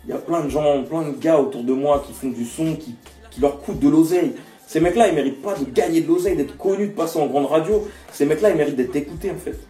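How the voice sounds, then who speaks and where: A fairly high-voiced man from French Guiana speaks out in an interview with passion and emphasis. His tone is mellow rather than bright, and he sits some distance from the mic in an echoey room, with faint music playing under him. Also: fast talker. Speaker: rapper interviewee.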